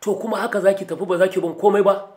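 High-voiced bossy official with a Hausa accent played by a man. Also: steady tone, racing, darkish tone, natural voice. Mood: demanding. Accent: Nigerian Hausa. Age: middle-aged. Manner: brusque, demanding. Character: bossy, grasping male school official. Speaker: actor in TV drama. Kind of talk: TV drama acting. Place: small bare office indoors. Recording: echoey room.

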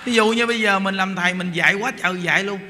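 A Buddhist monk with a Southern Vietnamese accent gives a sermon in a lively, colloquial way, acting out little exchanges. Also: male voice, high voice, quick pace. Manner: animated, colloquial, acts out exchanges. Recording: long hall reverb, faint noise.

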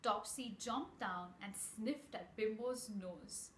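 A woman's voice: mid-range voice, slow pace. A young adult woman reading a children's story aloud expressively, with asides and questions to young listeners. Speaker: children's story reader and host. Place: small home room, indoors. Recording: roomy echo with audible background noise.

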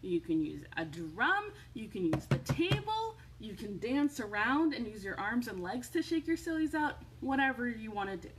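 A young adult woman presenting an upbeat children's storytime in an animated, encouraging way, recorded in a room at home. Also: fairly high pitch, normal speed, hardly any pauses, a little hiss or hum. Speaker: children's librarian hosting storytime. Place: indoors, living room at home.

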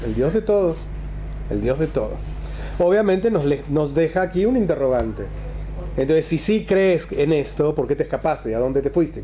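A man's voice: a little high, warm tone, slight background noise. A man, a rabbi teaching a religious text in a conversational way, with rhetorical questions and emphatic repetition. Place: small classroom, indoors.

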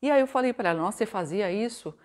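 A Brazilian woman giving a motivational relationship talk in a conversational way, often asking tag questions and reciting mantras slowly and softly. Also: mid-range voice, lively intonation. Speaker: self-help and relationship coach.

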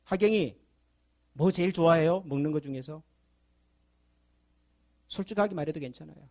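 A man's voice: fairly high pitch, normal speed, a little mellow. A male pastor preaching a sermon, telling a story to the children with questions to the congregation, then building to fervent appeals. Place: church sanctuary.

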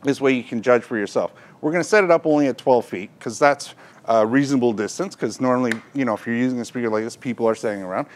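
A man's voice: mid-range voice, quick pace. Middle aged guy doing a casual gear demo, chatty, explains stuff. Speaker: shop presenter reviewing audio gear. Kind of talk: casual product demonstration. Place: indoor electronics shop.

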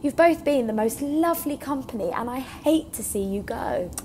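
A woman's voice: high-pitched, lively intonation, moderate pace, mellow, a little hiss or hum. A woman acting a kindly, rather lonely research scientist in a naturalistic audio drama. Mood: fond. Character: kindly, lonely, hard-working female Arctic scientist. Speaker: actor.

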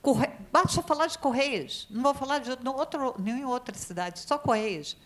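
A woman's voice: sits high, lively intonation, normal speed. A woman speaks at a legislative committee hearing, emphatic and worried, thinking aloud with restarts and shivering from the cold. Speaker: committee member questioning experts. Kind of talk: spontaneous committee speech.

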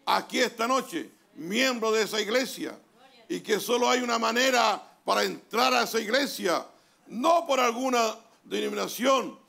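A Chilean pastor preaches in a slow, measured cadence, letting each phrase land before the next. His voice sits high for a man and carries a gravelly, crackling texture. He breaks the message with calls of amen to the congregation. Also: fairly bright tone. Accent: Chilean Spanish. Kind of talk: sermon reading from a translated message. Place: church hall.

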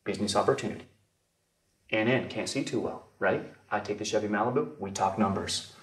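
A man playing a smarmy salesman uncle hijacking a family Christmas toast, low and insistent. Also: brisk, far from the mic, close to an everyday voice. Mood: pushy. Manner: low, pushy, repetitive. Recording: roomy echo.

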